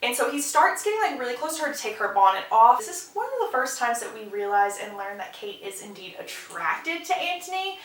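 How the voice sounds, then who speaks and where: A young woman hosting a casual show recap, animated and gossipy, full of quick asides. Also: on the high side. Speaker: host. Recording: distant echoey room recording.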